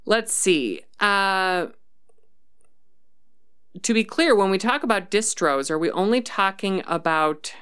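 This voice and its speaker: A woman's voice: mid-range voice, animated, takes it slowly, pauses often, fairly bright tone, clean tone. A woman hosting a casual livestream, reading chat comments and thinking aloud with many ums and restarts. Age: adult, worked as a developer.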